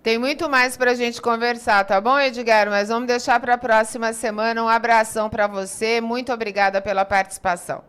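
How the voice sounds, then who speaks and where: A woman's voice: a little high, fairly even intonation, a little fast, hardly any pauses, smooth. A Brazilian woman hosting a radio talk show, affirming her guests and moving the talk along. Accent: Brazilian Portuguese. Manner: warmly agreeing, brief affirmations. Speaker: radio host.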